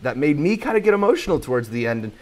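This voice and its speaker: A man's voice: fairly high pitch, very animated, very fast, darkish tone. Young man hosting a casual podcast. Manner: leads segments, reads news items smoothly. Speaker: podcast host.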